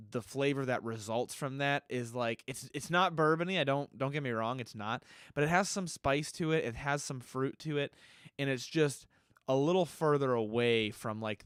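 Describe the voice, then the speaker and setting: A man with a slightly stuffy nose, hosting his own podcast in a relaxed, rambling way. He often stops to correct himself, and his voice sits at an ordinary middle pitch. The sound is close and dry, with no room echo. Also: smooth. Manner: loose and rambling, with frequent self-corrections. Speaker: podcast host. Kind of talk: casual solo podcast answering listener questions.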